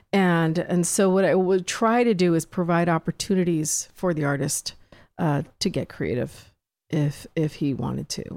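In a very clean recording with a silent background, a woman talks in a plain, everyday voice, her pitch fairly low with ordinary variation. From Chicago. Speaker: comic book writer. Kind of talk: interview. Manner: fast.

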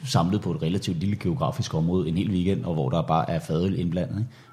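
A man speaks in a very deep, low voice with a dark, mellow tone. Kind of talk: casual banter.

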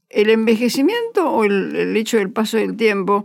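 The speaker has a Rioplatense accent. The pace is fairly slow. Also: woman. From Argentina, Bolívar (Buenos Aires province). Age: 80s+. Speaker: psychiatrist and psychoanalyst. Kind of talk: interview testimony.

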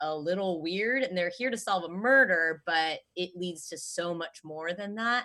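A woman's normal speaking voice, fairly low in pitch, with ordinary pitch variation and a moderate pace. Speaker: guest. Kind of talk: casual chat.

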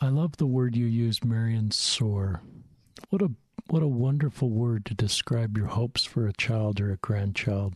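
A somewhat breathy man at medium pitch, with ordinary pitch variation and very even loudness, in a dry, close sound with no echo over a quiet background. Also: moderate pace. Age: 50s. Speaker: podcast host. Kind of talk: interview. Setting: in a home, across a table.

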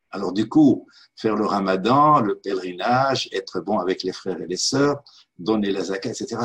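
A man with an Arabic accent speaks at a fairly slow pace. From Syria. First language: Arabic (speaking French). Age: 70s. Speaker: author and lecturer. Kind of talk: lecture.

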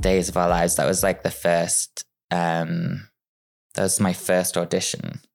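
A man with a very deep, low voice speaks at a fairly slow pace, his loudness very even and his intonation fairly even, with music playing in the background. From Shropshire, England. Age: 30s. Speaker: actor and influencer. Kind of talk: casual interview chat. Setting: studio.

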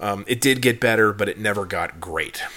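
The speech goes at a fairly slow pace with ordinary pitch variation. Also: man. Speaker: sports podcast host. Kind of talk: solo podcast monologue. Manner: rambling, filler-heavy.

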